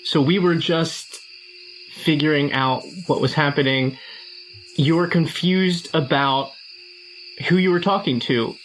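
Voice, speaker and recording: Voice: mid-range voice, unhurried, pauses often, slight background noise, rough recording. A tabletop game player chatting casually and describing a character's moves.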